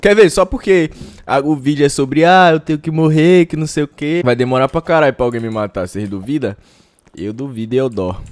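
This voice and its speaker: At a fairly quick pace, a man with a fairly high voice speaks with lively intonation, in a dry, close sound with no echo. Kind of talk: gameplay commentary. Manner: loud, shouting; animated.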